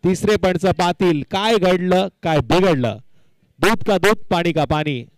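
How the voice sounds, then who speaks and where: A man's voice: high voice, unhurried, dry recording, rough recording. A man giving live commentary and announcements at a local cricket tournament, emphatic and fond of repeating phrases for effect.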